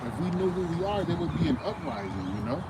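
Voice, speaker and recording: A man's voice: a little high, sing-song, quick pace. A man preaching informally in conversation, with an earnest, emphatic manner, often repeating his phrases. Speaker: street preacher. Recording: loud outdoor traffic and ambient noise.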